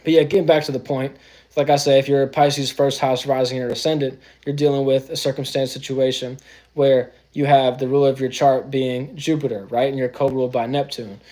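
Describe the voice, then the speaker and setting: A man's voice: medium pitch, flat delivery, a little fast, dark tone. Chatty astrology streamer man, AAVE slang. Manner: loose and chatty, keeps saying "you know what I'm saying"; drops into slang. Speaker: astrology livestream host. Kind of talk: casual livestream talk.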